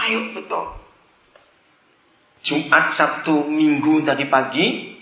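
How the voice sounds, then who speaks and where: A man preaching a sermon to a congregation, animated, calling out to the listeners, swinging between shouting and quiet asides. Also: fairly high pitch. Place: church hall. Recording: echoey church hall.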